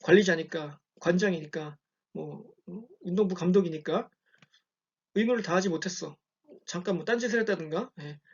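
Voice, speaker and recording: A man lecturing in a relaxed, conversational way, often checking in with "예" and telling examples. The recording is dull and lo-fi. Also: sits high, normal speed, breathy edge. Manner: conversational, frequent "예" check-ins, storytelling examples. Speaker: university lecturer.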